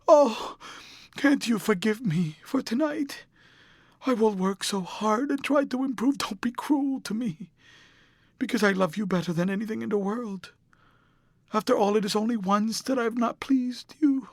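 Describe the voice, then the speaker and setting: Storybook figure: a desperate young woman, tearful and pleading, pitched high and loud, voiced by a man. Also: no echo. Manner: pleading, tearful, breathless rushes.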